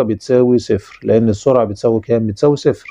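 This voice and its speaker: Ordinary pitch variation marks this speech, delivered at a moderate pace. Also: man. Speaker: science teacher. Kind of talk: lecture.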